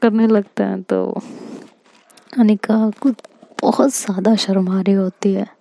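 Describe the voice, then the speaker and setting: A woman telling a romantic story in a hushed, intimate whisper. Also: medium pitch, fairly even intonation, a little slow, vocal fry, slight background noise.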